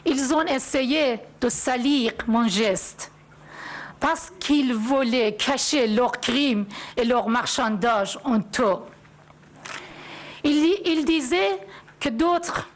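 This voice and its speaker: A woman in her forties from Iran, speaking, giving a prepared first-person testimony in a measured, solemn way. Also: sits high. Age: 40s. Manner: measured, solemn, deliberate phrasing.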